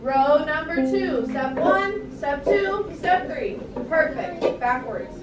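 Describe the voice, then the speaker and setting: A woman's voice: very high-pitched, expressive, takes it slowly, far from the mic, noisy background. A young woman teaching a music class to small children, firm and upbeat, praising and counting off steps. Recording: echoey classroom from afar with loud ukulele music.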